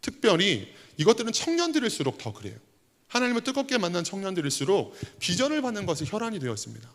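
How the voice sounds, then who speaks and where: A man's voice: high voice, wildly swooping pitch, fast, fairly bright tone. A man in his thirties, an associate pastor, preaching a conversational sermon with prayers voiced aloud. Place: church sanctuary. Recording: long church reverb.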